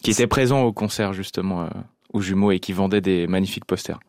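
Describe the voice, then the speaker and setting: A man's voice: low voice, fast, no echo, clean studio sound. A French-born man, a jazz musician, answering interview questions thoughtfully with many hesitations. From France.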